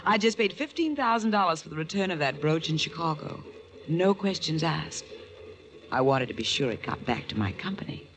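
A woman's voice: sits low, sing-song, moderate pace. An American actress playing a shrewd, self-assured female investigator in a 1940s radio drama. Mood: cool, amused.

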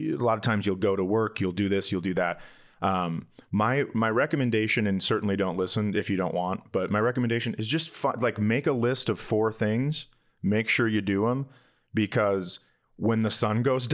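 A man's voice: fairly low pitch, normal speed. A man hosting a comedy podcast, telling anecdotes in casual chat with crude, joking language.

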